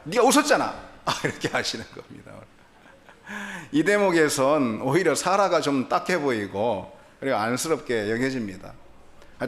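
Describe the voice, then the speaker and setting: Lively, animated male pastor preaching. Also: a little high. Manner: animated, acts out God's and Sarah's lines in quoted voices; chuckles often while preaching. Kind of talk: sermon.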